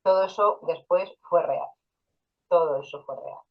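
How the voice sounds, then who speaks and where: Low-voiced woman telling her story. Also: measured pace, husky, lo-fi sound. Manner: personal storytelling with quoted dialogue and fillers. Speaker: interview guest, hypnotherapist. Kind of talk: casual interview storytelling.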